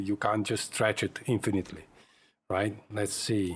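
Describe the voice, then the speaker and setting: This man talks with a non-native accent. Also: very clean recording, silent background. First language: not English. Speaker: YouTuber, video editing tutor. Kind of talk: tutorial. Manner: halting, many pauses.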